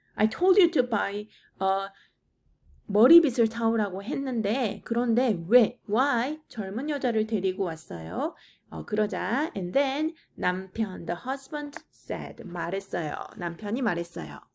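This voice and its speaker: A woman talks at a very slow pace with lively intonation. Her fairly high voice carries vocal fry. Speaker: Korean language teacher. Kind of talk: lecture. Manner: slow, repetitive teaching delivery. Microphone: webcam.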